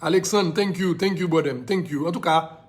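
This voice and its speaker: A man with a Haitian accent talks straight to his viewers in a casual live video, impassioned and preachy. His voice sits a little higher than most men's, and he drops English phrases in here and there. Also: moderate pace. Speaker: social media personality.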